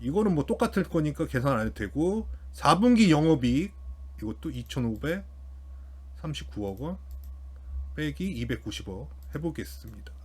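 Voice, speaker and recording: A man's voice: a little high, very animated, normal speed, husky. A man giving casual explanatory financial commentary as an online host, informally thinking aloud as he works through figures. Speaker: YouTube host commenting on company earnings.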